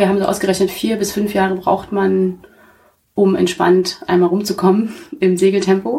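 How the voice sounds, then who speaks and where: Her voice is somewhat breathy with a dark, mellow tone as this woman of medium pitch speaks at a moderate pace. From Berlin. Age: 30s. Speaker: biochemist and mother. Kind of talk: casual interview.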